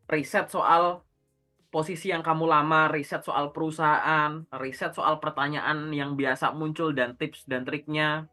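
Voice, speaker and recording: A man's voice: sits high, sharp tone. A man working as a career coach, giving direct, instructive advice in casual one-on-one talk and answering his own rhetorical questions. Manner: asks rhetorical questions and answers them himself; direct, instructive, uses everyday slang.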